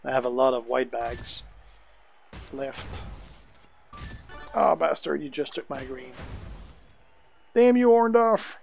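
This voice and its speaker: A man with a French accent, a native French speaker, chatting casually to viewers on a gaming live stream, relaxed and chuckling often. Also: mid-range voice, slow, creaky, pauses often, faint music behind.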